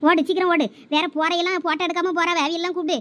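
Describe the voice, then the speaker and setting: A woman's voice: very high voice, flat delivery, racing, fairly bright tone. A woman voicing bickering young village wives in a comic cartoon family drama, with a Thoothukudi Tamil accent and a quarrelsome, complaining manner. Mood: bossy. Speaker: cartoon voice actor.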